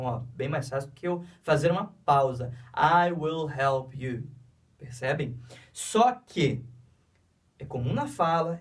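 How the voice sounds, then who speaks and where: A man's voice: a little high, far from the mic. A man with a Brazilian Portuguese accent teaching an English grammar lesson, patiently repeating each step and checking that students follow.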